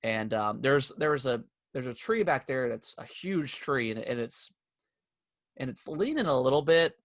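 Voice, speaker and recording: A man's voice: medium pitch, lively intonation, moderate pace, dry recording, clean studio sound. A young man co-hosting a podcast from his home office, stuffy from allergies and rambling through casual chat with lots of fillers and restarts. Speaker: podcast co-host. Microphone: desk setup with camera.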